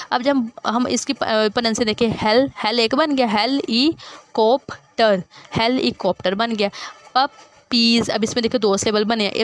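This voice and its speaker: A young woman teaching a textbook lesson, patiently repeating terms and moving between English definitions and her own explanation. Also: on the high side.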